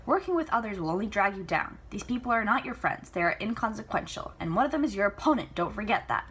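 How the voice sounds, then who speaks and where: A woman's voice: mid-range voice, big pitch swings, fast talker, a bit bright, husky. A woman voicing a stern, disapproving gray-haired ghost father in a storybook, curt and dismissive. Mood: cold, contemptuous. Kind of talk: storybook character reading.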